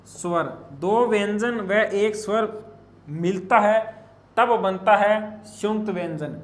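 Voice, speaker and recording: A man's voice: sits high, roomy sound. A man teaching Hindi grammar for exam prep, spelling out letters piece by piece and asking and answering his own questions. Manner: addresses students as children, asks and answers his own questions. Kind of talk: exam-prep classroom lecture.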